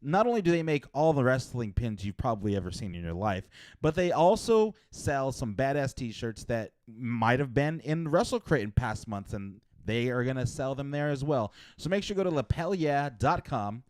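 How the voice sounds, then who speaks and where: A man's voice: medium pitch, sing-song, normal speed, darkish tone, no echo. A man hosting a casual podcast, playfully introducing co-hosts and reading sponsor spots. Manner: playful, hyping up guests, joking. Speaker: podcast host. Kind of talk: casual podcast chat and ad reads.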